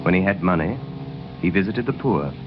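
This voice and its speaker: Casting: radio drama narrator, man, lowish voice, music beneath, dull vintage sound. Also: lively intonation. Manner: measured, storytelling. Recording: muffled old radio broadcast.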